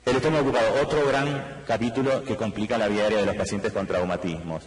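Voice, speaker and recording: An Argentine man gives a medical lecture in rapid, rushing Spanish, with a fairly low voice. He talks straight to the audience and asks rhetorical questions along the way. His voice echoes through a large hall with a long reverb. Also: fairly even intonation. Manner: explanatory, addresses audience directly with rhetorical questions. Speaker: anesthesiologist lecturer.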